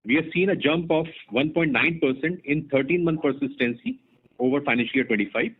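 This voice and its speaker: A man with an Indian accent, formally reading a company results presentation in a measured, businesslike way as an executive. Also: on the high side, slightly rough. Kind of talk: scripted earnings call presentation. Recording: muffled narrowband phone conference line.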